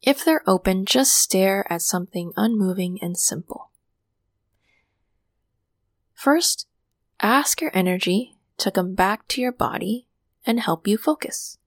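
A woman with a calming voice hosts a meditation podcast and leads a guided session. She speaks softly and slowly, dropping into a whisper on some breathing cues. The sound is dry and close, with no room around it. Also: mid-range voice, no echo. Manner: soft, slow guiding with whispered breath cues.

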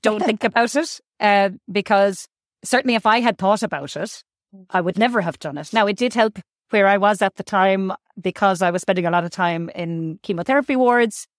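A woman's voice: medium pitch, normal speed, no echo, clean studio sound. A woman doctor, answering interview questions thoughtfully and often repeating words as she thinks. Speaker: guest doctor.

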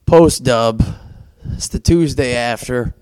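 A man hosting a casual sports podcast, his voice raspy and worn out after a late night, rambling and getting excited as he recaps the game. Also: mid-range voice, takes it slowly, no echo. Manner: excitable, rambling fan talk. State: hoarse, worn out; tired, foggy. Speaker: podcast host.

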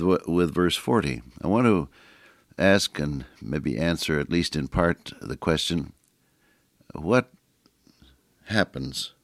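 Deep-voiced man preaching on radio. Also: no room sound, studio quality. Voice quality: slightly gravelly. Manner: reads scripture aloud with rising emphasis, folksy asides. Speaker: radio Bible teacher. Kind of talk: radio sermon, reading and expounding scripture.

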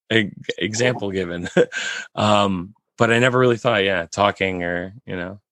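A man with a raspy voice, hosting a casual podcast chat and rambling with many restarts. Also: fairly low pitch, unhurried, fairly bright tone, no room sound.

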